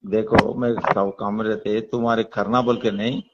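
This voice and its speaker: A man's voice: on the low side, flat delivery, moderate pace, very noisy. A man with a Hyderabadi accent questioning someone over the phone like a police officer, brusque and insistent. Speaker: caller saying he is a police sub-inspector. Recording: dull, lo-fi phone call recording.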